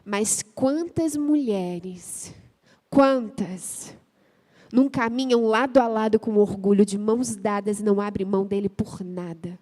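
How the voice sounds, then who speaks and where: A woman pastor with a Brazilian Portuguese accent preaching a sermon, telling a personal story and then praying out loud with fervour. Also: medium pitch, unhurried. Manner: storytelling, acting out both sides of a marital argument; rises to loud fervent prayer. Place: church. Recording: church hall with long reverb.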